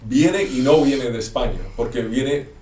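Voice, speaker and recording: A man with a Cuban accent, a guest telling anecdotes and jokes in a casual interview, often pausing on fillers. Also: medium pitch, mellow. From Cuba. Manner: anecdotal, hesitant with fillers, joking. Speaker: guest, lawyer. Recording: roomy, distant mic, faint noise.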